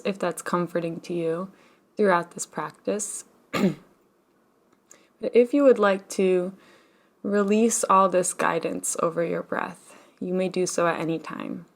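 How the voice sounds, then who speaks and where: A woman leading a guided meditation as a teacher, speaking in a gentle, soothing, unhurried manner with long pauses. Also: lowish voice.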